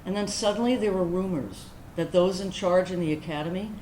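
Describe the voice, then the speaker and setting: A woman acting a candid lesbian military veteran in a staged reading, telling her story in a wry, confessional, conversational way with deliberate pauses. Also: on the low side, dark tone, natural voice. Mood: hurt, subdued. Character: candid lesbian military veteran recalling academy first love. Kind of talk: dramatic first-person monologue in a staged reading. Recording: roomy echoing stage recording, background noise.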